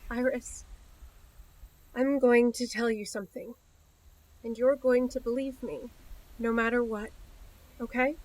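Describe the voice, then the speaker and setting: A fairly high female voice from an actress plays a devoted woman in love. She takes her words very slowly, earnest and reassuring, in an intimate radio-play style. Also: steady tone, a little mellow, low-quality recording. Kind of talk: intimate audio drama acting.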